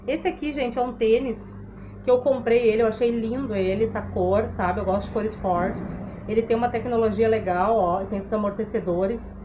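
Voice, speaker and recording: High-voiced woman, noisy recording. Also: steady tone, normal speed. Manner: conversational, frequent checking tags to the listener. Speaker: vlogger. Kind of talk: casual chat to camera, giving tips. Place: small room at home, indoors. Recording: clearly noisy home recording.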